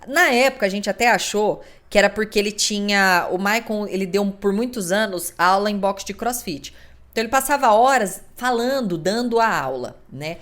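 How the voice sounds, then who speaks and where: A woman in her thirties with a Brazilian accent, hosting a podcast in a casual, expressive monologue, swearing now and then and acting out the people she quotes. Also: medium pitch, moderate pace. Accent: Brazilian Portuguese. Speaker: podcast host.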